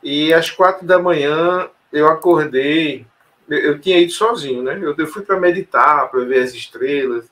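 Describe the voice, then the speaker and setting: A man's voice: fairly high pitch, moderate pace, fairly bright tone. A man telling a personal story in an interview, hesitant, with many fillers and restarts. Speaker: interview guest. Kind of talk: casual storytelling conversation.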